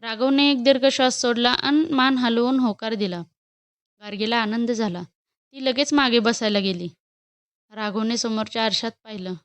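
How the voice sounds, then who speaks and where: A woman reads a romantic story aloud in a steady, expressive way. Her voice sits fairly high and sounds smooth and clear. It is recorded close on a dry mic. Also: normal speed, no echo. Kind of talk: scripted story narration.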